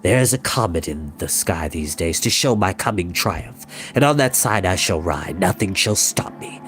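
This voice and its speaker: A man's voice: deep voice, expressive, moderate pace, fairly bright tone, voice pushed down. A man voicing a stern, proud Welsh rebel prince who speaks coldly and threateningly in a storybook reading. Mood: grim defiant. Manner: cold, grim, threatening.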